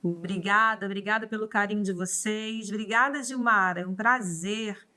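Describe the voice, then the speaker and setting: A woman's voice: mid-range voice, moderate pace, bright, forceful tone. A Brazilian woman teaching a live online law class. She greets viewers by name and then explains steadily. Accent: Brazilian Portuguese.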